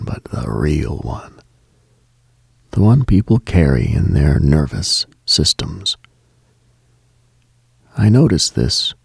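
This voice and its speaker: Deep gravelly half-whispering man. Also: no echo, studio quality. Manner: hushed, half-whispered delivery. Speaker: late-night radio host. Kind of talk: slow reflective monologue.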